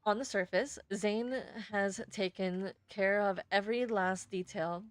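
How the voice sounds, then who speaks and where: Slow-reading woman, narrating a story. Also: medium pitch, dry recording. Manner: stumbles over words and rereads them. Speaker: streamer reading a story game aloud. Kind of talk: expressive first-person story reading.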